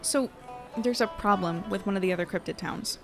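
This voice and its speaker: A woman's voice: mid-range voice, brisk, over music, close to an everyday voice. An actress playing a caring, curious young woman chatting with friends in an audio drama, casual and a little hesitant. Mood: concerned, curious. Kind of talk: acted dialogue in an audio drama podcast.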